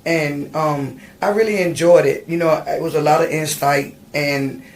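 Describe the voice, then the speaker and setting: In a podcast studio, a middle-aged Virginian woman recounts her life as an interview guest, often stumbling with ums and starting over. She has a deep voice, an even tone and a normal speaking speed, with a bit of background noise in the recording.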